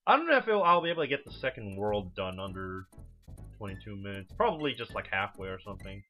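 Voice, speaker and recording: A man's voice: lowish voice, big pitch swings, quick pace, bright, forceful tone. A man giving casual, rambling video game commentary as a let's player, informal and prone to swearing. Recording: dull lo-fi mic over game music. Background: video game music.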